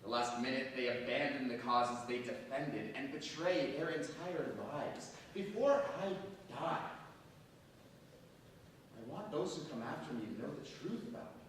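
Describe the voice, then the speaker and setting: An actor playing a sardonic, defiant imprisoned militant in a theatrical staged reading, declamatory and deliberate. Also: male voice, lively intonation, fairly bright tone. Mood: grave, defiant. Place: large echoing hall, staged reading. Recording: very echoey hall, distant mic, faint rumble.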